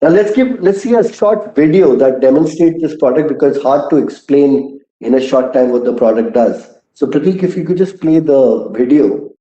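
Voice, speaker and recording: A man with an Indian accent giving a prepared earnings call presentation as a company executive, measured and articulate, with deliberate emphasis. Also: a little high, warm tone. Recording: muffled, echoey conference call audio.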